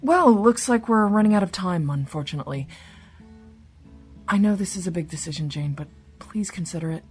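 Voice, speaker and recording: An actress playing a senior female government agent, formal and measured, in an audio drama. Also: lowish voice, animated, a little mellow, breathy edge, soft background music. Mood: earnest, persuasive. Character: composed, persuasive female government agent in charge.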